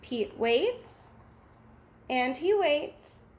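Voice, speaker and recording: A woman reading a picture book aloud to children in an expressive, sing-song manner. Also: sits high, very slow. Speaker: storybook reader.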